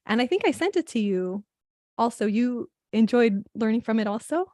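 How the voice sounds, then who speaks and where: A woman sharing her thoughts on a video call in a casual discussion, pausing often with fillers and restarts. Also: on the high side, expressive, a little mellow, no room sound, clean studio sound. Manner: hesitant, with many fillers and restarts.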